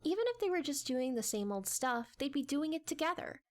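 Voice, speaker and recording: Lively, high-voiced woman narrating a story. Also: a little fast. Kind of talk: dramatic audiobook-style scripted narration.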